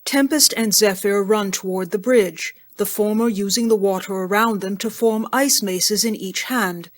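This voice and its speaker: Medium-pitched woman narrator. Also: moderate pace. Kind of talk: scripted audio drama narration.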